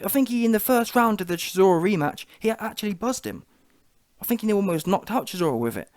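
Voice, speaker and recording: A man with a London accent and a fairly high-pitched voice delivers an informal boxing reaction. He is opinionated and emphatic, using slang and hammering points through repetition. The sound is close and dry. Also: animated, fast, darkish tone, dry recording. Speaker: boxing commentator giving fight reaction.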